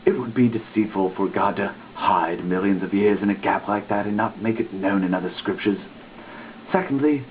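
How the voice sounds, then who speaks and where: A man giving a dramatic reading of a religious text, with deliberate, theatrical emphasis and pauses. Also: low-pitched. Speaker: reader. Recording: muffled lo-fi phone-like sound, background hiss.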